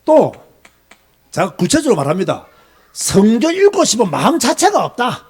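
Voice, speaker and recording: A man's voice: high voice, wildly swooping pitch, normal speed. A middle-aged man with a Gyeongsang Korean accent, preaching as a pastor in an emphatic, scolding way, firing off rhetorical questions. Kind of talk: sermon lecture.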